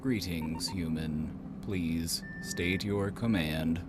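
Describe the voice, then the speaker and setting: A man voicing a calm male ship computer in a robot voice, with flat, formal, measured delivery. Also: sits low, very noisy. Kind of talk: channel trailer skit.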